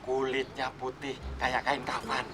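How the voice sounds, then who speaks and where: A man's voice: mid-range voice, completely flat delivery, unhurried, noisy background, natural voice. An actor playing a casual, joking man with a Jakarta accent in sitcom banter. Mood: teasing.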